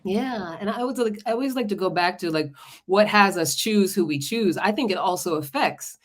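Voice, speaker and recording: A woman's voice: medium pitch, fairly quick. A woman hosting a live talk show as a relationship coach, affirming her guest and laughing easily.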